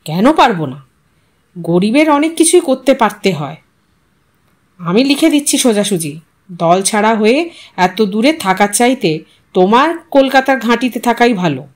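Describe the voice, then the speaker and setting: A woman's voice: mid-range voice, animated, moderate pace, long pauses, pitched below the performer's own voice, natural voice. A woman voicing a proud, grumbling husband who worries about money, in a sarcastic, complaining manner.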